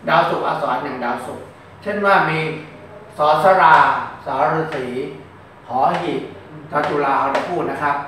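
A man with a fairly high voice gives a loose, explanatory fortune-telling talk. He stumbles over and repeats words and reads out long strings of numbers. He is heard from a distance in a very echoey room with faint background noise. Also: a bit bright. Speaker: fortune teller. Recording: very echoey room, mic far off.

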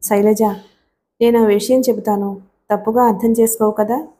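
A man's voice: high voice, fairly even intonation, mellow, a little hiss or hum, natural voice. Woman reading a stammering nervous young man. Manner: stammering, halting. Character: young man, anxious, hesitant.

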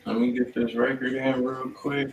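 A man's voice: medium pitch, little pitch movement, normal speed, dull audio. An American man co-hosting a livestream with casual, slangy banter. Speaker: livestream co-host. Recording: roomy, distant mic, faint noise.

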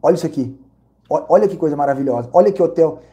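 A Brazilian man vlogging casually, telling an animated, repetitive story with lots of exclamations. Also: a little high, racing. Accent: Brazilian Portuguese. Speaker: vlogger reviewing credit card perks and hotels.

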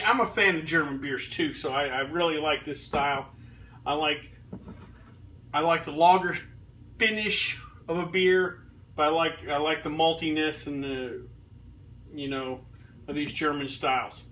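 A man in his thirties talks through a beer tasting in his kitchen. His voice is fairly high and bright, and he rambles with frequent ums and restarts. The camera mic sits a few feet off, so he sounds a little distant. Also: fairly even intonation, moderate pace, long pauses. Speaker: beer reviewer and home brewer. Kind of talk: casual beer review vlog. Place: home kitchen, indoors. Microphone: fixed camera a few feet away.

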